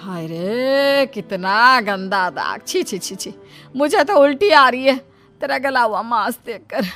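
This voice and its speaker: A woman's voice: sits high, expressive, normal speed, fairly bright tone, faint music behind. A woman voicing a scheming, jealous middle-aged mother-in-law in a cartoon story, scolding and mocking. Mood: scornful.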